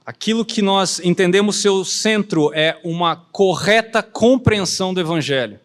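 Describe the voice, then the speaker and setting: A man in a church interpreting a sermon phrase by phrase, talking quickly and sometimes restarting as he looks for words. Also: high-pitched.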